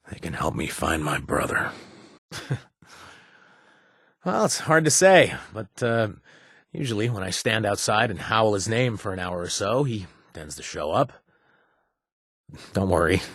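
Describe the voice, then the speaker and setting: An actor voicing a chatty, self-deprecating young ex-raider bartender in a video game, with a husky voice. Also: male voice, on the low side, dry recording, clean studio sound, exaggerated voice. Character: wisecracking male ex-raider turned bartender. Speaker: companion character.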